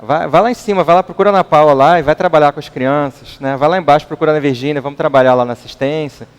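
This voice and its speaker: With a clear, resonant voice on the high side, a Brazilian-accented man races through an informal talk at a spiritist center. He keeps things conversational, often ending sentences with a questioning "right?", and the meeting hall adds a long reverb.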